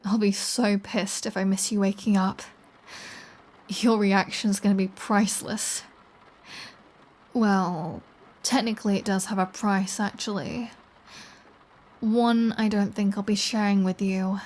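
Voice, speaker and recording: A woman's voice: medium pitch, steady tone, darkish tone, lightly acted. A woman playing a flirty, playful vampire who teases in a chatty, self-assured way, as in an intimate roleplay audio. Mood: smug teasing. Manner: teasing, chatty, unhurried.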